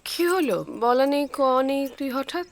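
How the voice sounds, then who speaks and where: A bossy, grumbling housewife. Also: female voice, sits high, animated, slow pace, full character voice. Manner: bossy, chatty. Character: bossy, complaining well-off housewife. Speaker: elder sister.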